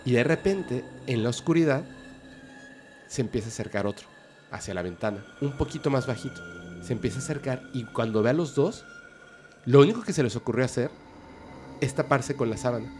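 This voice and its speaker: Podcast guest, male, mid-pitched voice, vivid casual storyteller with faint music behind. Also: animated, a little fast, pauses often, darkish tone.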